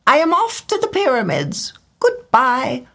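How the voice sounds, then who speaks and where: A woman's voice: high voice, wildly swooping pitch, a little slow, gravelly, a bit bright, pitched above the performer's own voice, full character voice. A woman voicing a vain, fussy little male swallow in a storybook reading, talking in a chirpy, self-important way. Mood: complaining. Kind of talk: storybook character voice.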